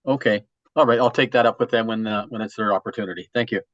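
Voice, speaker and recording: A man, a councillor, asking a question at a meeting in a halting way, stumbling and repeating words. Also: fairly low pitch, no echo. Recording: dry, slightly muffled.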